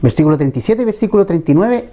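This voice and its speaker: A man's voice: high voice, lively intonation, very fast, warm tone. A man with a Chilean accent preaching a Bible-teaching sermon as pastor, talking conversationally and often asking the congregation questions. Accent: Chilean Spanish.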